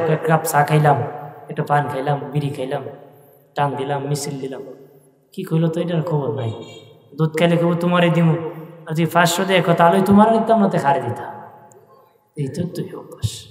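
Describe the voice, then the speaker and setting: A man's voice: fairly high pitch, a little fast, pauses often. A man preaching a sermon, half-singing his lines and asking the crowd questions. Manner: rhythmic, half-sung preaching with rhetorical questions. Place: large open-air tent gathering over loudspeakers. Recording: echoey PA sound from far off.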